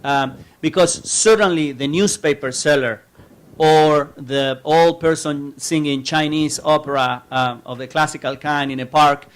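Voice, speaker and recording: A man from Chile asking a long question from the audience at an academic talk, speaking in a measured way with frequent fillers. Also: on the high side, fairly even intonation.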